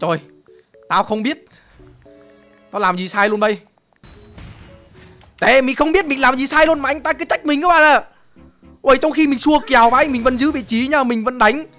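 A young man giving excitable live gameplay commentary, full of exclamations and brash trash talk aimed at opponents. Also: very high-pitched, moderate pace, pauses often, soft background music. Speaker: gaming streamer.

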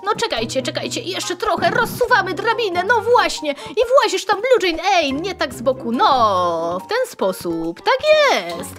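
Woman host, game commentary; very high voice that jumps all over, rhyming and squealing, faint music underneath. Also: sing-song, a little slow, hardly any pauses. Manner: makes up little rhymes while playing, squeals cries for help. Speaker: gaming channel host. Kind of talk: playful gameplay commentary.

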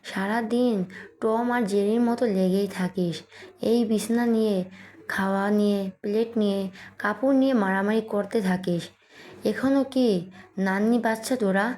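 A woman reading as a fed-up middle-aged mother in an audio story, nagging and complaining at her squabbling daughters. The voice is mellow and warm, read in a steady storybook way. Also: mid-range voice, moderate pace, lightly acted. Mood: scolding.

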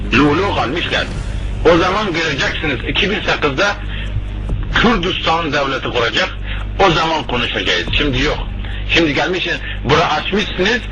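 A native Kurdish man with a Kurdish accent speaks halting, broken, non-native Turkish in a confrontational, emphatic political tirade. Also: fairly high pitch, low-quality recording.

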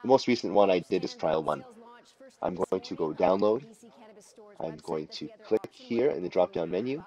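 Deep-voiced man giving a software tutorial. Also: lively intonation. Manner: deliberate, instructional, explains step by step. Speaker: tutorial presenter. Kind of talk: unscripted step-by-step software walkthrough. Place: voice-over for a screen recording.

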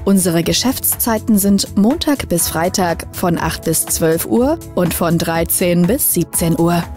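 A woman's voice: on the low side, faint music behind. Woman's polite answering machine message. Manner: polite, even, scripted phone greeting, reading out an email address slowly.

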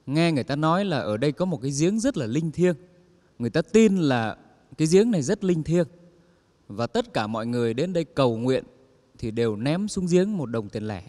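Comedian, male, somewhat high voice, stage joke-telling with long hall reverb. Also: a little mellow. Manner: addresses the audience, acts out quoted lines.

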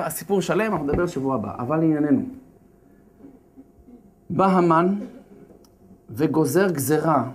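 A religious lecturer retelling a holiday story in a lively, slangy, joking way, then turning to its lesson. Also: male voice, a little high, slight background noise. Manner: animated, slangy, jokey storytelling. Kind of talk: lively comic Torah talk.

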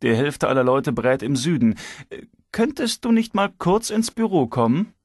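A man's voice: on the high side, lively intonation, normal speed, no room sound, clean studio sound, pitched above the performer's own voice. A man doing a sly, commanding old boss. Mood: breezy. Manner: breezy, brooks no refusal. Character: commanding older male boss, sly and brisk.

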